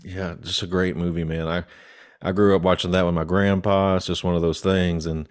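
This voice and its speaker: A man's voice: low-pitched, level tone, fairly quick, clear, resonant tone. A young man hosting a casual interview, asking friendly questions with plenty of fillers. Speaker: podcast host.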